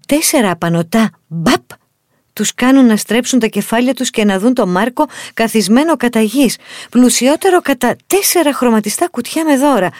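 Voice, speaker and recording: Children's story narrator, a woman with a lively expressive read over soft music. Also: on the high side. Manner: expressive, animated reading.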